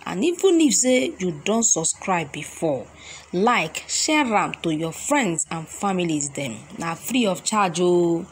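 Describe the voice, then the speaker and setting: Animated Nigerian Pidgin gossip woman. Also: fairly low pitch, slight background noise. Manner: theatrical, full of exclamations and drawn-out hums. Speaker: gossip blog host.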